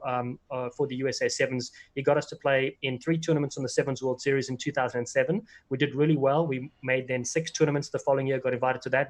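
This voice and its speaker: Fast-talking South African man on a video call. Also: mid-range voice. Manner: quick, rambling anecdotes full of fillers and restarts. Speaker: guest, former player and commentator. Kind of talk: casual interview storytelling.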